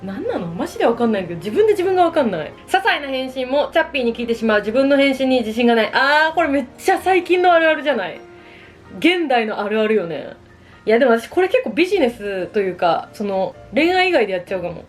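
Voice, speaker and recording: Animated, fast-talking woman chatting over a meal. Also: high voice, soft background music. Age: 30s. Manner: self-deprecating, giggly, acts out imagined remarks. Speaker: solo vlogger. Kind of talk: casual confessional chat, reacting to relatable dating woes.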